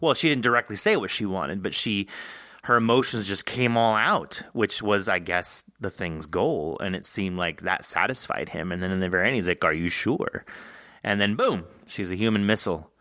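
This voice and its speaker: Male interviewer, forward bright tone, close dry sound, enthusiastic, casual discussion style. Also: low-pitched, normal speed, no room sound. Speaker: podcast host interviewing an author. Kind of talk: casual discussion of a horror story.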